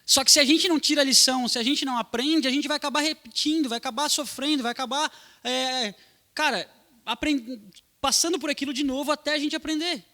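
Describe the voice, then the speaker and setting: A man's voice: very high-pitched, a little fast, sharp tone. A young adult man, a pastor preaching a sermon in a casual, slangy way aimed at young people.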